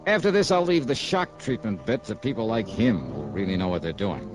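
A man voicing a hard-boiled insurance investigator in an old radio play, clipped and sardonic. His voice has a mid pitch with lively, expressive swings. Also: fairly quick, over music, lightly acted. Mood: wry. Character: tough, wisecracking male insurance investigator. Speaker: narrator and lead. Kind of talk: 1960s radio drama acting.

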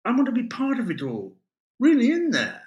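Man voicing a drunk young romantic, high, lively, exclaiming, slow drawl. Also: roomy sound, highs cut off, heavily acted. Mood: eager.

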